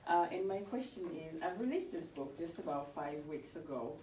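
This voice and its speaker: A woman's voice: sits low, expressive, normal speed, mellow, a little hiss or hum. Hesitant woman author in an echoey room. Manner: hesitant, with many fillers. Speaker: author asking for advice. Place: event room in front of a live audience. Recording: roomy, distant mic, faint ambience.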